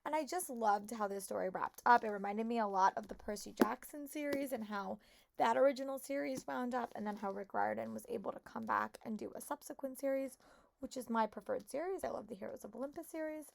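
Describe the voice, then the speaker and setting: A young woman with a hoarse voice, chatting casually and upbeat to viewers in a reading vlog. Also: a little high, brisk. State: hoarse, voice shot. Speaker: book vlogger.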